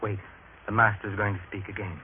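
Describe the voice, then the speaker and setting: An actor playing a humbled, reverent follower of a religious teacher in an old radio drama. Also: male voice, on the low side, flat delivery, fairly quick, phone-quality sound, heavy background noise, lightly acted. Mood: reverent, hushed. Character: humbled male listener of the Master, reverent. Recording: thin old radio sound, loud music behind.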